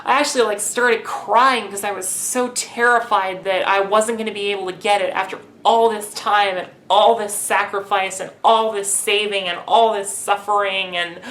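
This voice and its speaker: A young woman talking candidly in a personal video diary, chatty and excited, with a few nervous laughs. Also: medium pitch, normal speed, few pauses. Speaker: vlogger.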